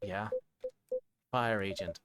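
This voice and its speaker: A man streaming a playthrough of a visual novel, reading dialogue aloud and commenting casually in a hesitant, halting way. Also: lowish voice, fairly even intonation, fairly bright tone, smooth. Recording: music behind the voice. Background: guitar music from the game.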